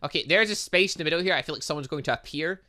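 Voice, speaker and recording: A man giving casual let's play commentary, playful and excitable, with stumbles and interjections. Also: on the high side, racing. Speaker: gaming video host. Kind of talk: casual let's play commentary, reading game dialogue aloud.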